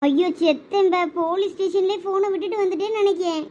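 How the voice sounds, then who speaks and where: A woman's voice: extremely high pitch, fast, darkish tone, highs cut off, slight background noise. A woman with a Thoothukudi Tamil accent voicing a fretful college girl in a cartoon, exclaiming in panic and scolding her friend. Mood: panicked, scolding. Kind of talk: cartoon voice acting.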